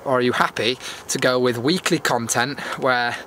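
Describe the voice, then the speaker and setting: With a mid-range, sharp-toned voice at a moderate pace, a British YouTube host rambles casually through a meandering, chatty walk-and-talk vlog. He's outdoors on a cold evening walk, with clear background noise around him.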